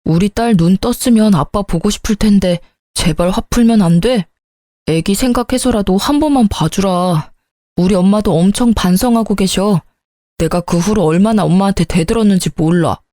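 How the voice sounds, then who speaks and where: Woman reading as a begging, remorseful young husband, coaxing and low, mellow voice, dry close sound, storybook reading. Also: normal speed, no echo, lightly acted. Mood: pleading.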